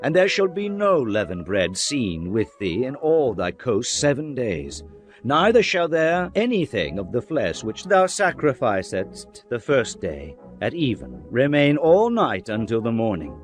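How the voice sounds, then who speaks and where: Male narrator for a dramatized Bible reading, mid-pitched, solemn and measured, music under the voice. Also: wildly swooping pitch. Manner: solemn, measured recitation of archaic scripture. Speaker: scripture narrator. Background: background music.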